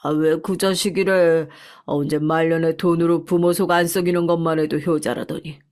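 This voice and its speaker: Someone doing a gruff older workman friend. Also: medium pitch, level tone, normal speed, darkish tone, lightly acted. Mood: grumbling. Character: blunt older male friend from construction days.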